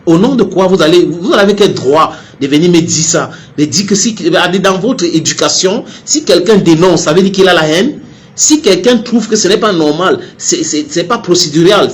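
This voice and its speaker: Heated, stammering Cameroonian man ranting. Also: high-pitched. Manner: heated, repeats himself, stammers on restarts. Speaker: online commentator. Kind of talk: impassioned direct-to-camera rant.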